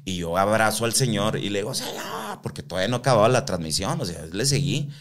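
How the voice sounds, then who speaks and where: Slangy, deep-voiced man telling stories. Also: lively intonation, quick pace, a bit bright. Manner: slangy, swears a lot, acts out quoted voices. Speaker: guest. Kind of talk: casual storytelling.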